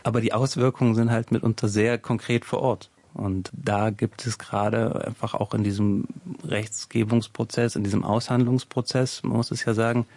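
Male expert guest, low gravelly voice, thoughtful explaining tone. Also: little pitch movement, darkish tone, no echo. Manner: measured, explanatory, thinking aloud. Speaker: guest sociologist. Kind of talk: expert radio interview.

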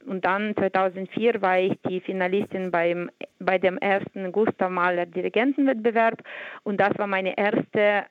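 A Ukrainian-accented woman in her forties speaks over a tinny, narrow-band telephone line with a dry sound. She is a conductor guest, talking fluently but with frequent fillers, small restarts and searching pauses, and German is not her first language. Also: medium pitch, dry recording. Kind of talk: phone interview.

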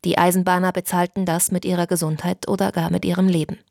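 Woman reading radio news, low-pitched. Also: vocal fry, no echo, clean studio sound. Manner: measured, even delivery. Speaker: newsreader. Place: radio studio. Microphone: studio microphone.

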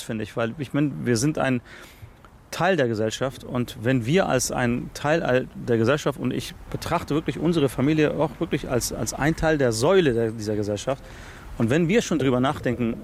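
A man's voice: medium pitch, a little mellow, slight background noise. A man from Afghanistan speaking earnestly in an interview outdoors in a city, often restarting his sentences. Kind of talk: personal interview.

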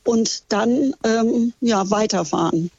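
A woman's voice: on the high side, slow, darkish tone, no room sound. A woman tour guide from Germany, calling in from a ship and talking in a friendly way with many fillers. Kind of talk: phone interview. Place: on a ship at sea. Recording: dull phone line.

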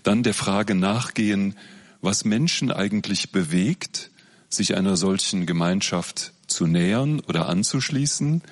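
Low-voiced man giving a lecture. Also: husky. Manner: measured, explanatory. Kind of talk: public lecture.

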